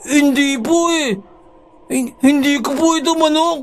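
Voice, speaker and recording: A man speaks in a put-on character voice at a fairly slow pace. His pitch is extremely high. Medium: read story. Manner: polite, respectful.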